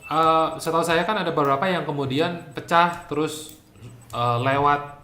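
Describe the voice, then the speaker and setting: A man hosting a casual health interview, asking questions with lively curiosity and laughing easily. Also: on the high side, normal speed, reverberant. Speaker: host.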